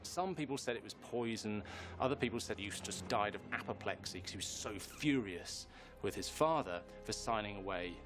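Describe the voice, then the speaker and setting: Low-voiced man giving emphatic history commentary. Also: animated, moderate pace. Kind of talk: interview commentary. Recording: loud music bed behind voice.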